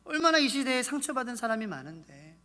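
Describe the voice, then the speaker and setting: High, bright-voiced male pastor preaching. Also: sing-song, fast. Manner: emphatic, repetitive preaching with acted quotes. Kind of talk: sermon. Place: church sanctuary. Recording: long church hall reverb.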